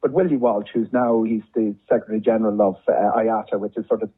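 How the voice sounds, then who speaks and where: A man's voice: fairly low pitch, fairly even intonation, quick pace, husky, narrow, tinny audio. A man with an Irish accent, a travel journalist giving conversational, discursive commentary as a guest, often repeating words for emphasis.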